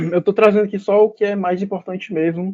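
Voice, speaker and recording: A man speaks at a moderate pace. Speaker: law tutor. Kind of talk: online review lecture.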